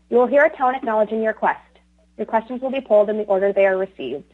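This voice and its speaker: A woman working as a conference call operator, reading scripted instructions in a polished, formal announcer manner like a flight attendant. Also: mid-range voice. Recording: tinny phone-line conference call.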